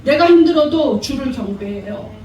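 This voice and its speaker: High-voiced woman pastor preaching. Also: expressive, moderate pace, mellow, slight background noise. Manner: exhorting, asks the congregation often. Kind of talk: sermon. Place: church sanctuary. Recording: echoey church hall, mic far off.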